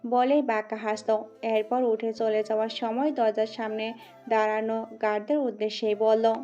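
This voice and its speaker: A woman narrating a dramatic audio story with steady, scripted storytelling. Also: fairly high pitch, moderate pace. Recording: muffled audio with background music.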